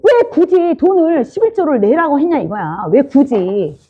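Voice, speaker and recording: A woman's voice: high-pitched, sing-song, normal speed, phone-quality sound, noisy background. A woman pastor preaching a sermon in an informal, questioning way, often asking the congregation whether they understand.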